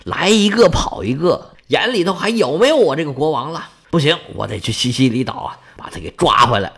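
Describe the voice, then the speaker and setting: A man's voice: a little high, animated, fairly quick, vocal fry, fairly bright tone, breathy edge, full character voice. A man voicing a proud, vengeful king who blusters indignantly in a told story. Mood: furious.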